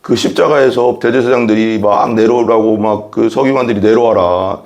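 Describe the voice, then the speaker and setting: A man's voice: medium pitch, fairly even intonation, a little fast, a little mellow. A man preaching a sermon as a pastor, reading Bible verses and explaining them earnestly, often repeating phrases and asking rhetorical questions.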